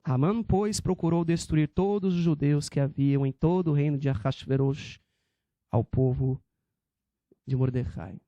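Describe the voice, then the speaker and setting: A man's voice: a little high, unhurried, warm tone, no echo, highs cut off. A male preacher who gives an emphatic, rhetorical sermon and addresses his listeners as brethren.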